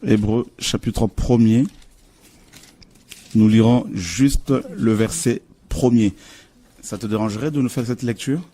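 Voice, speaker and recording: Male pastor, earnest sermon delivery, slightly low voice, halting with fillers. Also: warm tone.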